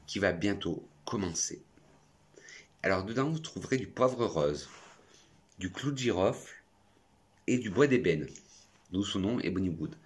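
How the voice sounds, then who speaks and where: A man's voice: fairly low pitch, slightly rough. A French man reviewing perfumes in a chatty, effusive vlog. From France. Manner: chatty and effusive, talks to himself. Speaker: perfume youtuber.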